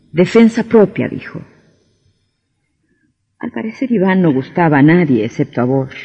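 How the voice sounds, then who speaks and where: Husky high sing-song vampire wife, lo-fi with long reverb. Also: male voice, warm tone, exaggerated voice. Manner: coaxing, needling. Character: sly vampire wife, sweet-talking, menacing woman. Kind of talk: radio drama acting. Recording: dull lo-fi audio with long hall reverb.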